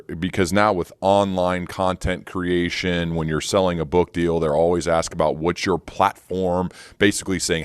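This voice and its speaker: A man's voice: low-pitched, no echo, studio quality. A man interviewing a guest as podcast host, asking long, winding questions in a conversational style.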